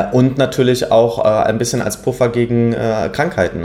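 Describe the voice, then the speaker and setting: Moderate-paced speech with music in the background. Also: man. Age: 20s. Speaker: amateur triathlete. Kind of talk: interview.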